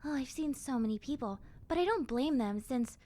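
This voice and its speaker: Woman doing a chatty lil zombie girl, friendly n lonely, kinda high girly voice, audio rp talking right to you. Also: lively intonation, normal speed, dark tone. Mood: grateful, warm. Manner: casual, chatty, conversational, girlish. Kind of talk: scripted audio roleplay, speaking to the listener.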